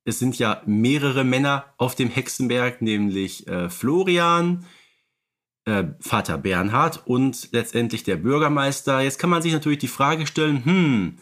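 A man's voice: medium pitch, expressive, unhurried, fairly bright tone. A man co-hosting a podcast, chatting casually with frequent hesitations. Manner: hesitant, many "äh" fillers, chatty. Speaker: podcast co-host. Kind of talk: casual podcast chat about radio plays.

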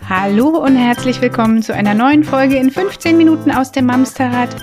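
A woman's voice: high voice, fairly quick, over music. Chatty Berlin-accented podcast host woman. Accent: Berlin German. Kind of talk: casual podcast chat. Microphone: remote call.

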